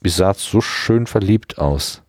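A man reading aloud and voicing a gentle, apologetic young woman in a raised voice. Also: low voice, animated, slow pace, no room sound, clean studio sound.

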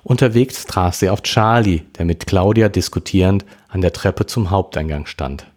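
A man's voice: low-pitched, normal speed. A man reading a story aloud and voicing all the characters himself. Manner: expressive, acts out all characters. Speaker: audiobook reader.

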